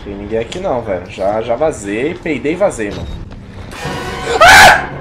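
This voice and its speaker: A man in his thirties from Brazil streaming a horror game, swearing constantly and yelping in fright, his voice going hoarse. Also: medium pitch, sing-song, moderate pace. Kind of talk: live gameplay commentary. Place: home streaming room. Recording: game music underneath.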